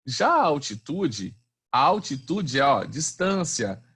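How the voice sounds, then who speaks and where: A man's voice: fairly high pitch, very animated, slow pace, a bit bright, husky. A man teaching a physics class online in a chatty, slangy way, often asking the students questions.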